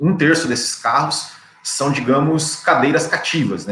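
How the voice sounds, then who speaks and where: A man's voice with audible room echo. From Paraná, Brazil. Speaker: YouTube interviewer. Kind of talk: interview, casual chat. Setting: recorded interview. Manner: halting, repeats words. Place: home room. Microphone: video call.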